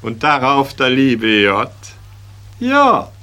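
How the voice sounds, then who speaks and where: Mann erzählt langsam Witze. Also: male voice, medium pitch, animated, sharp tone. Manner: slow, deliberate storytelling. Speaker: comedian. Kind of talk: joke telling.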